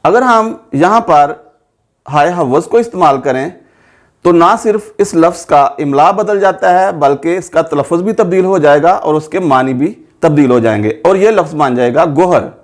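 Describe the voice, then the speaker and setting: A man's voice: fairly high pitch, normal speed. A man with a Pakistani Urdu accent teaching a spelling lesson, spelling words out letter by letter and drawing out each example word. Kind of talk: slow, methodical spoken lesson.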